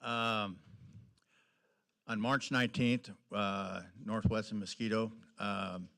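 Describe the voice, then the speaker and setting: A man chairs a city council meeting in a lowish, gravelly voice. He takes his time, speaking slowly and informally as he hands over and reports. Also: steady tone, fairly bright tone. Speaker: mayor pro tem chairing council meeting.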